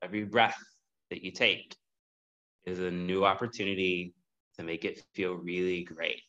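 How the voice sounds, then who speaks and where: A man teaching a live-streamed power yoga class, giving steady, encouraging cues and breath prompts. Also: low-pitched, moderate pace, muffled recording. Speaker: yoga instructor.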